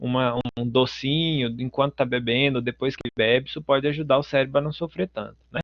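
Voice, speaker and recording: A moderate pace carries this speech along. It is a plain, everyday voice. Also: man. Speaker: university professor. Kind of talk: online lecture. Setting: video call. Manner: casual, conversational.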